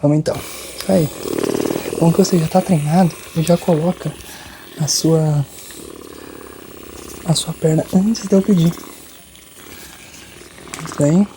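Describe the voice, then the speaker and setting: A Brazilian ASMR voice in a medium register, soft and mellow, roleplaying a chiropractor. The talk is casual, chatty and full of light joking. A noticeable machine noise runs behind the voice. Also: medium pitch, fairly even intonation, takes it slowly, long pauses. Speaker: ASMR creator playing a chiropractor.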